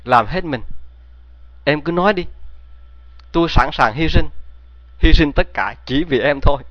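A man's voice: fairly high pitch, animated, a little slow, a bit bright, no room sound, lo-fi sound. A man playing an earnest young lover. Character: eager young village man, smitten, earnest.

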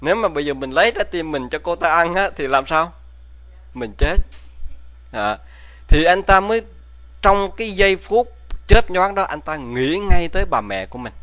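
Male storyteller, folk tale, quizzes the audience, fairly high voice, dry muffled sound. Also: lively intonation, normal speed, no room sound. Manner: addresses listeners with rhetorical questions.

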